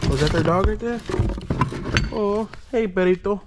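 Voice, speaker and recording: Digging through boxes in a storage unit, a man in his thirties casually narrates and excitedly exclaims over each find. His voice sits high and moves at a moderate pace, with heavy background noise behind this unboxing commentary.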